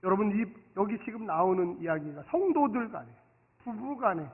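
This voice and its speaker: In a church sanctuary, a pastor preaches his Sunday sermon with animation, swinging from soft asides to loud exclamations, acting out dialogue and leading the congregation in call-and-response. His voice is high, slightly rough and moderately paced. The recording sounds thin and phone-like in a reverberant hall.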